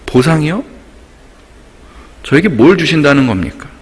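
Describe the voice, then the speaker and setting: A man's voice: fairly high pitch, a bit bright, husky, big-room sound. A man voicing a blunt aging man who complains he is still childless, firing pointed questions.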